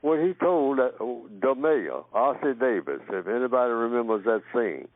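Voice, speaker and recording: A man's voice: mid-range voice, expressive, moderate pace, dry recording. A man giving emphatic talk radio commentary as a guest, repeating his points and asking rhetorical questions. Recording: dry phone-line audio.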